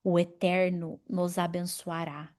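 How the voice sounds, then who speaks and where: A woman in her forties preaching a sermon in an animated, personal way, calling on members of the congregation by name. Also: lowish voice, slow. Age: 40s. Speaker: pastor.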